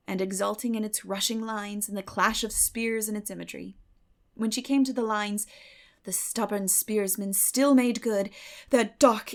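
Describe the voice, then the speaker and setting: A woman reading a novel as an audiobook narrator, in a measured, expressive storytelling style. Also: mid-range voice, vocal fry. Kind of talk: dramatic scripted storytelling narration.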